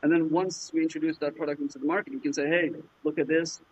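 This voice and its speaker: A man from Jordan whose first language is Arabic, answering interview questions in a halting way, with many fillers and restarts. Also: a little high, fairly even intonation, slightly rough, no echo. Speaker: startup founder, guest. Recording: muffled lo-fi remote audio.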